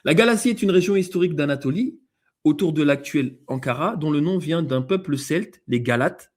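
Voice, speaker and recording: A man's voice: fairly high pitch, animated, fairly quick, darkish tone. A man with an accent, a guest on a show, explaining slides and reading passages aloud, with many fillers and restarts. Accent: non-native-sounding accent in French. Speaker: guest presenter.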